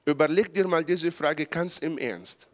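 A man from Israel preaching a charismatic sermon, his voice sitting a little high. He talks in imperfect, non-native German and climbs to loud, emphatic peaks. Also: a little slow. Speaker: pastor.

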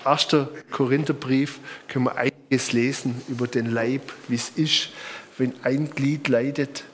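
A man's voice: medium pitch, fairly even intonation, unhurried, a little hiss or hum. A middle-aged man with a southern German accent preaching informally, with conversational anecdotes and emphatic repetition. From Bamberg, Germany. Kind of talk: sermon with personal anecdotes.

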